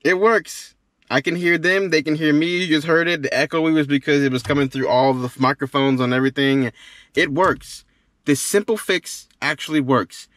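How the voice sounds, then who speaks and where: A man's voice: on the high side, moderate pace, a bit bright, dry recording. A man talking casually through a how-to demonstration as a tutorial host, often repeating phrases for emphasis. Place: inside a car.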